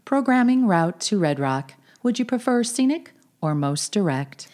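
A woman voicing a calm, overly smooth, bossy car AI that speaks in an even, polite, machine-like way in a comedy sketch. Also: medium pitch, measured pace. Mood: smooth, robotic. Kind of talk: comedy radio sketch acting.

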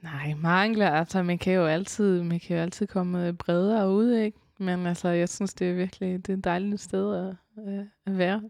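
A woman, a composer and vocalist, talking as a guest in a casual radio interview and often pausing to search for words. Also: fairly low pitch, steady tone, gravelly, a little mellow, no echo, clean studio sound. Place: concert hall.

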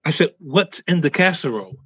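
A man's voice comes through a muffled, lo-fi headset mic on a call, sounding like he is underwater. The tone is slightly husky and bone-dry, with no room around it. He chimes in with quick questions during a casual group chat. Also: fairly high pitch, lively intonation, fairly bright tone, no room sound. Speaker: guest on a video-call chat show. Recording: dull muffled call audio.

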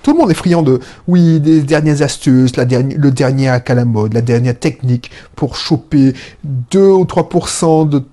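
A man talking as an entrepreneur in a casual solo monologue, animated, often restarting and correcting himself. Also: mid-range voice, moderate pace, few pauses. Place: indoor room with air conditioning. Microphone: own microphones.

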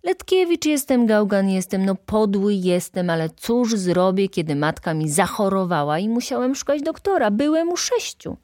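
A woman's voice: medium pitch, lively intonation, moderate pace, few pauses, a little mellow, no room sound, studio quality, pitched above the performer's own voice, lightly acted. A woman voicing a foppish young male shop clerk in an audiobook, glib and theatrical, with effusive, exaggerated politeness. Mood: dramatic, gushing.

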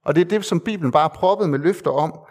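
A man's voice: on the high side, darkish tone. A man preaching a sermon in an earnest, conversational way, with hesitant fillers and repeated phrases for emphasis.

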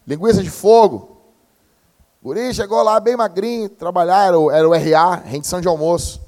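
A young adult man, preaching a sermon as pastor in a slangy, animated storytelling manner. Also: sits high, fairly quick. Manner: slangy, animated storytelling, peppered with "meu" and "cara".

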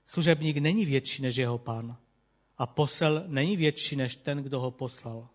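A man reading the words of Jesus, a calm grown man teaching his disciples, in a measured, solemn way. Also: mid-range voice, close to an everyday voice.

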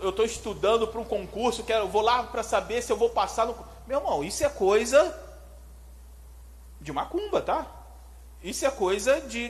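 A man preaching a sermon, animated and conversational, often putting questions to his listeners. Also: high voice.

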